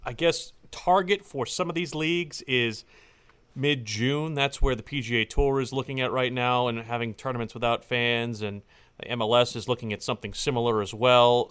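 A man's voice: medium pitch, a bit bright, smooth. A man hosting a casual podcast, talking in long rambling runs with many fillers and restarts. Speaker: podcast host.

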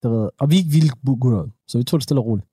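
A young man with a Jutlandic accent, co-hosting a podcast with relaxed, joking, slangy banter. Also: mid-range voice, slightly rough, dry recording, studio quality. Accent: Jutlandic Danish. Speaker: podcast co-host. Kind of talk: casual comedic banter.

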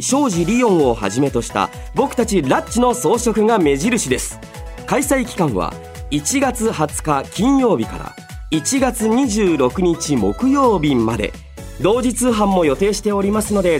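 Male radio host, higher-pitched and very expressive, polite chatty delivery, light music bed. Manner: polite, chatty, frequent soft "ne" tags. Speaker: radio show host and voice actor. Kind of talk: radio talk mixing casual chat and announcements.

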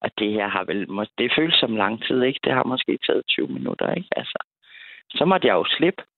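Woman caller, gravelly, chatty storyteller who laughs often, tinny phone line, dry sound. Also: a bass voice, no room sound. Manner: lively, chatty, laughs between sentences. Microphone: telephone.

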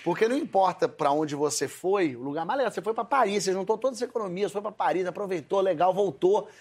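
A man's voice: high voice, lively intonation, quick pace, darkish tone. A man with a Brazilian Portuguese accent, a comedian telling funny stories in an interview, acting out voices and laughing often. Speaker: comedian guest. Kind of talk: animated storytelling interview.

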